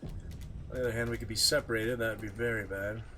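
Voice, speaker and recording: A man's voice: lowish voice, steady tone, fairly quick, sharp tone. A man giving casual, musing video game commentary in short asides. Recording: game music behind.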